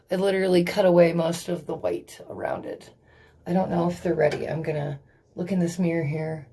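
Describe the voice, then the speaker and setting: Husky young woman rambling nervously. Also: on the low side, warm tone. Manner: giggly, rambling and nervous, with lots of swearing. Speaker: vlogger. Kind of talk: casual beauty vlog.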